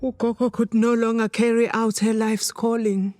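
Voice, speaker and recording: An actress playing a grave granddaughter of healers, telling her story in a measured, emphatic way. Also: a little high, little pitch movement, dark tone, no echo, clean studio sound, soft background music, close to an everyday voice. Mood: solemn, mournful. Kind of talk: dramatic storytelling monologue.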